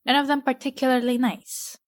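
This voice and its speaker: A woman playing a wry, self-deprecating, resentful ordinary human in an audio drama, speaking in a measured way. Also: high-pitched, flat delivery, close to an everyday voice.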